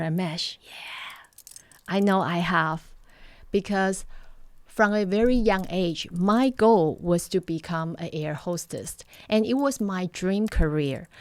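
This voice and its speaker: With a Mandarin accent, a woman speaks at a very slow pace. Her pitch is medium and varies in an ordinary way. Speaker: life coach. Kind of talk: online training presentation. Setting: online webinar. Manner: animated.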